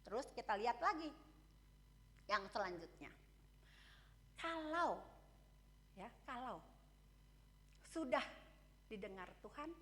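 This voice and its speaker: A woman's voice: sits high, bright, forceful tone. A woman pastor preaching a sermon in a candid, conversational way, often asking the congregation questions. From Indonesia. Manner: asks the congregation questions, frequent "ya" and "betul?"; candid and conversational, shares personal stories.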